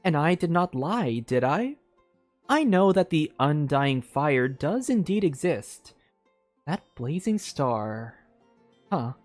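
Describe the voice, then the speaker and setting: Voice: medium pitch, sing-song, slow pace, darkish tone, soft background music. A streamer voicing a brazen, breezy witch teacher in a storybook read-aloud, airy, theatrical and reassuring. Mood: brazen, evasive.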